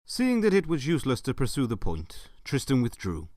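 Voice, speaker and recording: A man's voice: mid-range voice, wildly swooping pitch, normal speed, darkish tone, dry recording, clean studio sound. A man playing a genial fireside storyteller, narrating an audio drama in a wry, theatrical way.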